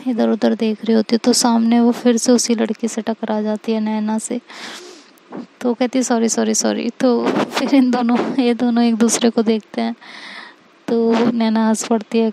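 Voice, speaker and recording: A woman narrating a romantic story in a relaxed, conversational way. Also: fairly high pitch, gravelly, poor audio.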